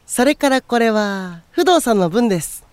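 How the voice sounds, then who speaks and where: A man's voice: very high-pitched, lively intonation, moderate pace, clear, resonant tone, no room sound. A man playing a cheerful, guileless boyish young man in a voice drama, polite and chatty. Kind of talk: Japanese voice drama acting.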